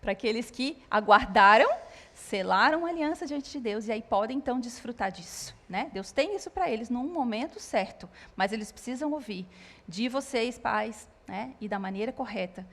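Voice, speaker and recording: Woman pastor teaching parents, kinda high voice, reverby hall sound. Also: lively intonation, normal speed, a bit bright.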